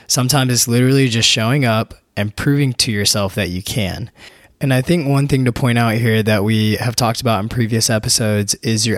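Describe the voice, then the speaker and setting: A young man hosting a podcast, hoarse from a recent illness, talking earnestly and encouragingly straight to his listeners. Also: fairly low pitch, fairly bright tone, no echo, studio quality. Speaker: podcast host, physical therapist. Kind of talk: casual motivational monologue.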